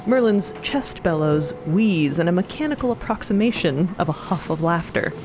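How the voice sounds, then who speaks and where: A woman's voice: lowish voice, animated, normal speed, noisy background. A woman narrating scripted audio fiction in a dramatic storytelling style.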